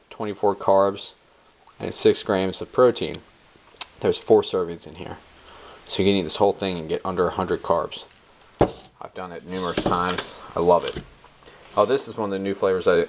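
Slangy young man with a very low voice. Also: vocal fry, background noise. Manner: laid-back, slangy and profane, many ums and uhs. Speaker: bodybuilder vlogger. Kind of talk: casual grocery haul show-and-tell. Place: home kitchen, indoors. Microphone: handheld camera held close. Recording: crinkling bags and clicks close by.

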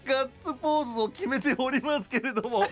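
A man's voice: very high-pitched, fast, a bit bright. A man hosting a radio variety show in a studio, cheerful and often laughing as he announces a game. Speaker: radio host. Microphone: studio boom mic.

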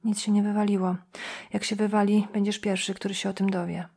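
A woman's voice: medium pitch, flat delivery, a little fast, creaky, mellow, breathy edge. A woman reading the lines of a guarded woman investigator who answers curtly and keeps things to herself.

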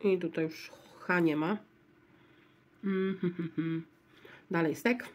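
A woman casually commenting as she scratches word-game lottery tickets, spelling out letters one at a time in a low-key murmur. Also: fairly even intonation, slow pace. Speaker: lottery scratch-card vlogger.

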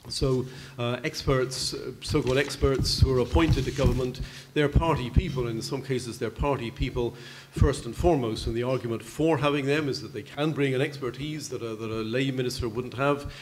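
An older man speaks as an expert at a convention panel, explaining in a measured way with halting restarts. His voice sits at an ordinary middle pitch. He talks into a table microphone in a large hall, with faint noise behind him. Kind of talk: public panel discussion.

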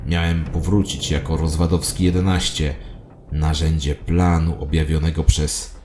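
Very deep-voiced, grandiose conspiracy believer played by a man. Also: flat delivery, moderate pace, dark tone, a little hiss or hum. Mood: conspiratorial, solemn. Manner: solemn, theatrical, self-important. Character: grandiose paranoid male conspiracy believer telling his story. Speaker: narrator and protagonist of an audio drama. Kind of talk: dramatic first-person scripted narration.

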